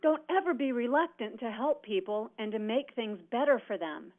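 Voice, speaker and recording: A woman's voice: fairly high pitch, expressive, moderate pace. A woman giving an instructional sales presentation in a motivational, emphatic way, delivering her points phrase by phrase. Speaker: sales trainer presenting cold calling tips. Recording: dull, band-limited audio.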